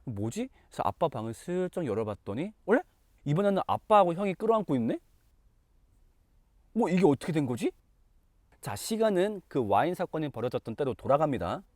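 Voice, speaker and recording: A man teaching through a dramatic, animated storytelling style. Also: a little high, a little fast, long pauses, no echo. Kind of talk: storytelling lesson.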